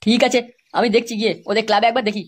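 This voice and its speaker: A man voicing an indignant, flustered father in a comedy cartoon, protesting in a pitched-up voice. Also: flat delivery, very fast, husky. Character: indignant father defending his rascal son in comedy cartoon.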